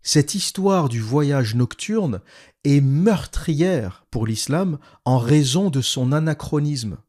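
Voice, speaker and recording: A man's voice: fairly high pitch, expressive, slow pace, warm tone. A man giving critical commentary while reading a text aloud, glossing terms and adding mocking asides. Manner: explanatory, restating terms. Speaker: video commentator.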